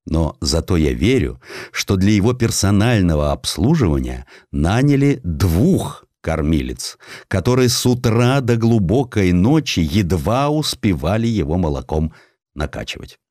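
A man with a deep voice tells a historical tale as a dramatized audiobook. His intonation swings widely and he uses theatrical pauses. The sound is close and dry. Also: very animated, a little mellow, dry recording. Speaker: audiobook narrator. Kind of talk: dramatized storytelling, scripted narration of a historical sketch.

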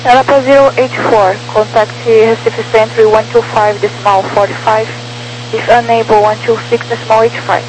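A woman's voice: a little high, flat delivery, moderate pace. A woman working as an air traffic controller, giving procedural instructions over aviation radio. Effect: aviation radio transmission. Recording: humming aviation radio transmission.

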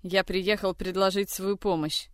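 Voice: mid-range voice, level tone, measured pace, clean tone, dry recording, clean studio sound, natural voice. A reader voicing a tall, awkward chess grandmaster who speaks firmly and insistently in an audiobook. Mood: defiant.

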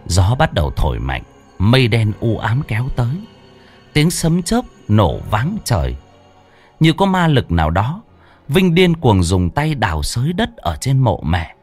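Husky guy telling a scary story, voice swoops up and down a lot, dry sound with soft music. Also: mid-range voice, huge pitch swings. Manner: slow, dramatic, hushed storytelling. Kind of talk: scripted horror story narration. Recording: dry close voice with faint music.

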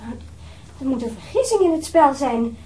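A high-pitched, defensive woman, evasive and halting in a radio drama. She sounds guarded, set back from the microphone in noisy ambience. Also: sing-song, mellow. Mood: indignant, anxious. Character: defensive, evasive young waitress hiding something. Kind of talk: Dutch radio drama acting. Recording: distant from mic, noisy room ambience.

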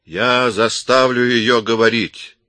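A man voicing a brutal, menacing man who speaks slowly and threateningly. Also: mid-range voice, steady tone, bright, forceful tone, no room sound, pitched above the performer's own voice. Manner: threatening, slow and heavy.

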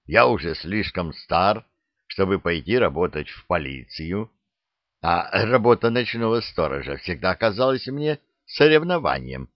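A man's voice: low-pitched, very animated, measured pace, no room sound, dull audio. A man reading the part of an older veteran soldier with a dry, blunt, self-deprecating way of talking. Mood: wry. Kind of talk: audiobook character reading.

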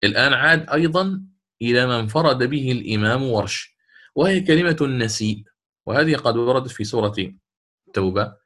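A man teaches Quran recitation rules in an even, mid-pitched voice. He draws out the quoted verses in a slow chant, then explains them at a brisk pace. He often corrects himself along the way. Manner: frequent self-corrections and fillers.

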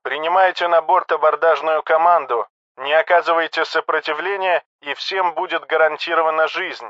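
A man's voice: a little high, steady tone, normal speed, fairly bright tone, dry recording, highs cut off. A man voicing a proud young male cadet captain who barks clipped military commands over a ship's radio intercom. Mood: commanding. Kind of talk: audiobook character reading.

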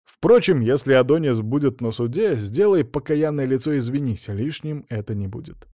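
A man's voice: mid-range voice, animated, normal speed, mellow, dry recording, clean studio sound, lightly acted. A man reading the part of a blunt middle-aged lawyer, who speaks in a frank, matter-of-fact way with a faint mocking edge. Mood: wry.

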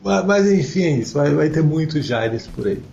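A man's voice: fairly high pitch, normal speed, creaky, music in the background. Brazilian guy hosting a podcast, chill, echoey muffled audio. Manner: relaxed, reads listener comments. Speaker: podcast host. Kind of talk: casual chat. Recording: roomy, dull lo-fi sound.

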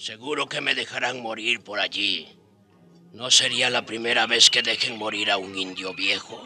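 An actor playing a proud, defiant old indigenous man in chains, gravelly and emphatic, in a radio drama. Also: lowish voice, normal speed, sharp tone, faint music behind. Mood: bitter, resigned. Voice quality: gravelly, raspy.

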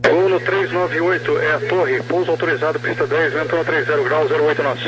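Fast-talking Brazilian tower controller over noisy radio. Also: male voice, on the high side, fairly even intonation, lo-fi sound. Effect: aviation radio. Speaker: air traffic tower controller. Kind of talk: clipped procedural radio phraseology. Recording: very noisy aviation radio transmission.

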